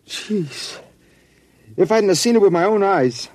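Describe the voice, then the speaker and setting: An actor playing a nervous small-time crook in an old radio drama, stammering and jittery. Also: male voice, high-pitched, animated, measured pace. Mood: anxious. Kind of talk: 1940s radio acting.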